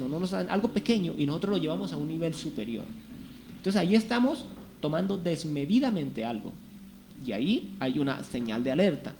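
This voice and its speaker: A man's voice: a little high, noisy background. A man giving a reflective sermon on a Christian radio show, speaking conversationally with rhetorical questions and acted-out inner voices.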